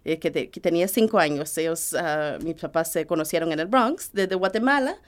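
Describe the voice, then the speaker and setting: A woman's voice: lowish voice, fairly quick. A woman from the United States with a US Latina Spanish accent, chatting as an interview guest and slipping English words into her Spanish. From United States, Hudson Valley. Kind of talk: casual interview conversation.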